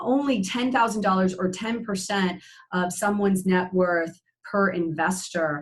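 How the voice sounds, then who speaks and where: A woman speaks in a somewhat breathy voice. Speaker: securities lawyer presenting a webinar. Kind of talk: presentation / webinar. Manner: fast; hesitant fillers.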